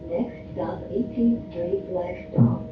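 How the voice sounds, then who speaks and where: Woman announcing over a train loudspeaker. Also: fairly low pitch, slow, far from the mic, music in the background. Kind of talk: recorded station announcements. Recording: tinny, echoey loudspeaker from afar. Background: loud train noise.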